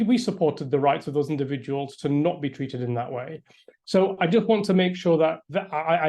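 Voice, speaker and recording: This is a fairly high-pitched, mellow male voice belonging to a middle-aged Yorkshire lawyer. Addressing a community briefing, he talks with earnest emphasis and frequently repeats words when restarting.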